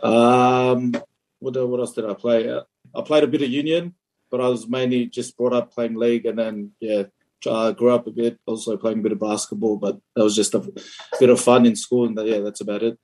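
A man in his twenties from Fiji, answering interview questions in a relaxed, hesitant way with many fillers. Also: mid-range voice, moderate pace, poor audio. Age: 20s. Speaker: rugby league player, guest.

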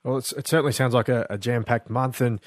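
Measured male radio host, dry sound. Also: mid-range voice, fairly even intonation, dry recording. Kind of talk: interviewing.

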